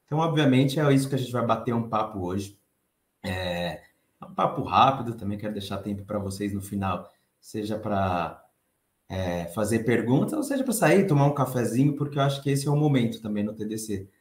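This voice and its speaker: A man in his thirties with a Brazilian Portuguese accent and a soft, light voice, giving a conversational conference talk. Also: lowish voice, brisk, roomy sound. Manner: conversational, expressive, reads the chat aloud. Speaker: conference speaker.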